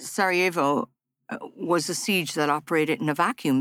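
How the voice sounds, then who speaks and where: With an American accent, a woman speaks at a very deep, low pitch with lively intonation and a fairly slow pace, in a dry, close sound with no echo on a very clean recording with a silent background. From United States. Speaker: war journalist and writer. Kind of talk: interview.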